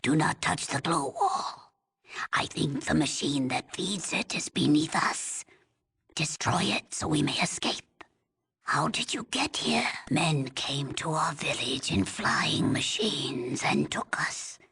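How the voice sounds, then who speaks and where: A woman playing a weary, stern old tribal elder in a video game, with a breathy, husky rasp and a solemn, halting, commanding manner. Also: low-pitched, big pitch swings, fairly bright tone, whispered, exaggerated voice. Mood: weary, grave. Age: older. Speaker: village elder. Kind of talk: dramatic video game voice acting.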